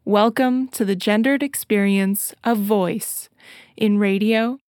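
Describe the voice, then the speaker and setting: A woman narrating a radio documentary in a scripted, measured and deliberate way. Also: medium pitch, fairly even intonation, a little mellow, no room sound, clean studio sound.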